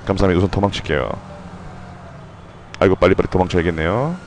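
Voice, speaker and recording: A young man giving loud, excitable commentary while playing a video game, swearing and shouting at what happens on screen. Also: deep voice, fast, slight background noise, rough recording. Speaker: gameplay streamer.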